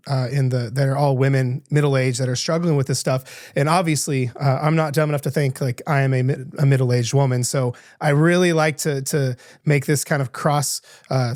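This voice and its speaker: A man's voice: medium pitch, a little mellow, no echo, studio quality. A man hosting a podcast interview, enthusiastic and rambling, with lots of restarts. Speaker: podcast host.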